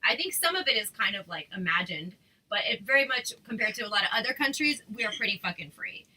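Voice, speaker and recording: A woman's voice: mid-range voice, lively intonation, fast, bright, forceful tone, husky, rough recording. A woman hosting a casual chat over a video call, talking in loose, filler-heavy sentences with frequent restarts. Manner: chatty, many fillers and restarts. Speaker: host.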